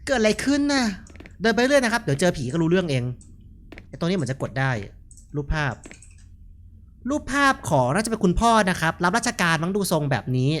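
A man's voice: high voice, expressive, fast talker, a bit bright. A man giving casual, jokey commentary while playing a horror game. He chats freely, reads out what he finds and laughs often. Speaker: gaming streamer.

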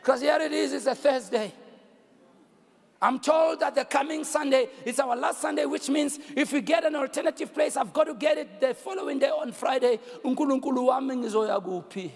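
Shouting South African preacher with gravelly voice. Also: male voice, extremely high pitch, moderate pace. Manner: shouting, storytelling, repeats phrases for emphasis. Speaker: bishop and pastor. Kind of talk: sermon. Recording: long hall reverb.

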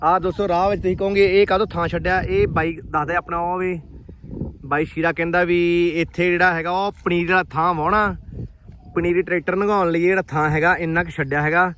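A man's voice: high voice, steady tone, fast, fairly bright tone. Chatty farm vlogger man, windy fields. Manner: chatty, talks straight to viewers as friends. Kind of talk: casual vlog chat. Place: outdoors in rural farm fields, on a motorbike and walking. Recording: outdoor phone audio with clear wind and field noise.

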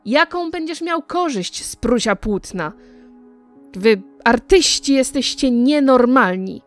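A sharp-tongued young woman, an artist's model who speaks her mind and scolds freely, read by a woman in an audiobook. The lines come slowly, at a middling pitch, with faint music in the background. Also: animated. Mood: scolding. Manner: scolding, outspoken. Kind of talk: audiobook reading.

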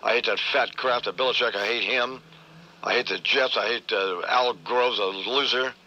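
A male radio host with a cold and a hoarse voice, grumbling and ranting through morning banter. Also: mid-range voice, steady tone, normal speed, pushed and bright, highs cut off.

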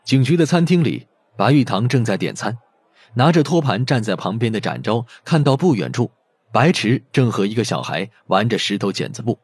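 A man's voice: medium pitch, very animated, normal speed, breathy edge, no echo. A man narrating a scripted detective story as an audiobook narrator.

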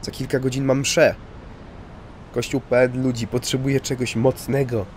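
A man's voice: medium pitch, little pitch movement, normal speed, slight background noise, natural voice. A man voicing a desperate older priest who begs in a breathless, pleading way. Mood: weak, begging.

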